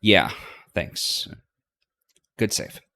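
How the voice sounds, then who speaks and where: A man's voice: extremely slow, pushed and bright. A man voicing a confident, teasing young adventurer who leads the way in a visual novel read-aloud, casual and encouraging. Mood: reassuring.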